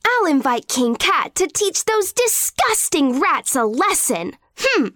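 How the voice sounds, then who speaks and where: A woman's voice: slow, no echo, studio quality, exaggerated voice. A woman voicing a young cat princess in a children's cartoon. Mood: cross. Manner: high, sing-song, expressive. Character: young cat princess, sweet but cross.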